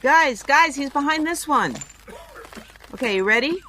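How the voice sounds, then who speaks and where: An urgent rescue leader in an audio drama, high and forceful. She calls out commands slowly over faint background noise. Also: expressive, heavily acted. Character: urgent rescue worker leading a team, commanding.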